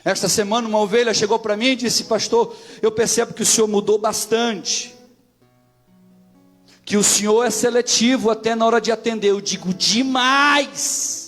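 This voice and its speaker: Brazilian male pastor, high-pitched, animated sermon delivery with shouted peaks, faint guitar bed. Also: normal speed. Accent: Brazilian Portuguese. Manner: animated storytelling, swings into shouting climaxes.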